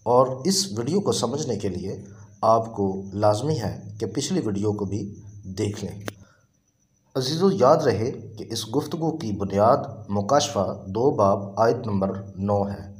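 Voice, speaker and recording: A man with a Pakistani Urdu accent teaches scripture at an unhurried crawl. His voice sits fairly low, and he spells out each point with care. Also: expressive. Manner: slow, deliberate explaining. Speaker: preacher. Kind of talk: Bible teaching lesson.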